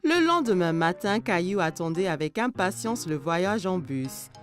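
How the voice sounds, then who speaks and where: A woman reading scripted narration for a children's cartoon in a clearly phrased storytelling manner. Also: fairly low pitch, very animated, a little slow. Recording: music behind the voice. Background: background music.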